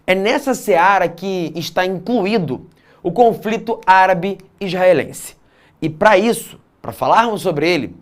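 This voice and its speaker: Chatty man teaching a class. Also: high voice. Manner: casual asides, frequent "né?". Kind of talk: exam prep lecture.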